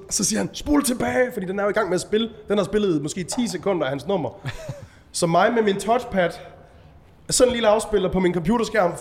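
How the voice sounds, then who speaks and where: A man telling stories in a casual podcast chat, animated and acting out shouted quotes. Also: high-pitched, long reverb tail. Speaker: event organizer.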